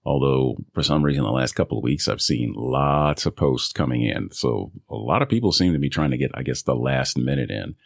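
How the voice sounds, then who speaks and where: Very deep gravelly man, dry close mic. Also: brisk, hardly any pauses, dry recording. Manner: rambling, relaxed, with self-amused laughs. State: recovering from a cold. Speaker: voice actor. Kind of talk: casual solo vlog. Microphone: studio microphone.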